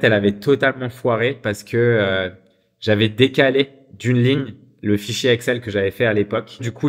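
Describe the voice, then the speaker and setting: A man from France with a French accent, telling anecdotes about his business failures in a casual, chatty way, with many fillers. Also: medium pitch. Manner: chatty, many fillers, shifts voice to quote people. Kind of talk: casual storytelling monologue.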